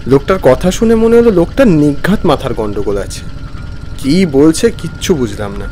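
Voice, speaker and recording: A man playing a weary traveller who narrates his own animated ghost story expressively. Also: a little high, moderate pace, a little hiss or hum, lightly acted. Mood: uneasy. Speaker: narrator and main character. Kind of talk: dramatized first-person horror narration.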